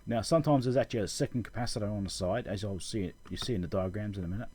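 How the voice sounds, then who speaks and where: A man giving an informal technical explanation as a channel host, halting and correcting himself as he thinks aloud. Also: fairly low pitch, a little mellow, slight background noise. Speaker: electronics repair channel host.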